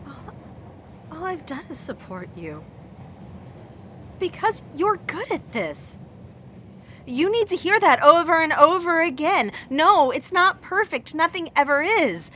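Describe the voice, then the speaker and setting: An actress playing a devoted, wounded wife in an audio drama, speaking with emotional pleading. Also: female voice, very high-pitched, big pitch swings, slow, long pauses, sharp tone, a little hiss or hum, full character voice. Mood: earnest, pleading.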